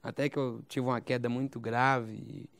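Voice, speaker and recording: A Brazilian pastor in his forties with a Goiás accent tells his testimony at a halting pace, often doubling back and adding "né?". His voice is smooth and resonant, sitting at a middle pitch for a man. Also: flat delivery. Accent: Brazilian Portuguese, Goiás. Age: 40s. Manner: halting, repeats phrases, adds "né?", laughs easily. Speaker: pastor, interview guest. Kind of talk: recounting a personal testimony.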